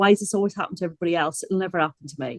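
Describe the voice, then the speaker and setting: The woman's voice sounds dry and close, with no echo. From Northern Ireland, County Down. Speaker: feng shui program member. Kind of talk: casual interview. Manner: halting.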